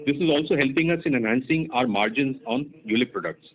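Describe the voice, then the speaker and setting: A man with an Indian accent, formally reading a company results presentation in a measured, businesslike way as an executive. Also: mid-range voice. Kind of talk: scripted earnings call presentation. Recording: muffled narrowband phone conference line.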